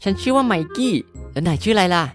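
A woman voicing a calm, commanding young male gang leader in a game cartoon. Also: fast talker, faint music behind, close to an everyday voice. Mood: cool. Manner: low, laid-back, commanding.

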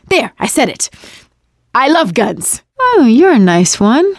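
Sassy, animated young woman survivor. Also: on the high side, takes it slowly, no echo, studio quality, full character voice. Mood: excited, gleeful. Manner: sardonic, expressive. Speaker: video game voice actress. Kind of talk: video game combat barks and quips.

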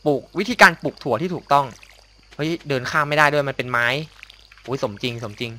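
Young man, casual gameplay commentator, bright edgy tone, chatty and exclamatory, light noise floor. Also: medium pitch, fast talker. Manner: excitable, exclaims and mutters to himself, makes sound effects. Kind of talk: casual let's-play commentary.

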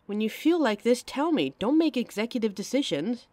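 A woman's voice: fairly high pitch, very animated, normal speed, a little mellow, no room sound. A woman playing a caring young adult girlfriend in an audio roleplay, talking intimately and emotionally straight to the listener on a close mic. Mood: tender, reassuring.

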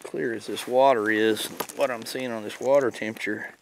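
A man's voice: medium pitch, fairly even intonation, brisk, a little hiss or hum, low-quality recording. A middle-aged man hosting a fishing show, giving casual, conversational commentary in a folksy way.

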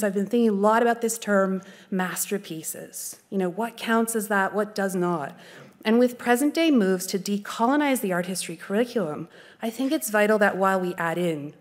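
A Canadian woman in her forties gives an earnest, well-spoken lecture on art history. She talks into a lectern mic at an even, middling pitch and chooses her words with care. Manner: measured, articulate, earnest. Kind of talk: formal lecture. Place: dark stage, indoors.

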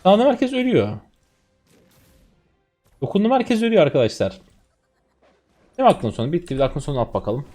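An excitable young man from Turkey streaming a game and talking straight to his viewers. His voice sits fairly high and leaps around in pitch as he reacts to each play. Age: 20s. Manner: excitable, chatty, talks to viewers while playing. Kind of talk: live gameplay commentary.

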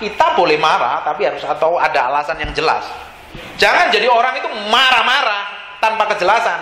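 A man pastor preaching a lively sermon in a casual, slangy way, often quizzing the congregation. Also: sits high, brisk, slight background noise. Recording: echoey hall with faint ambience.

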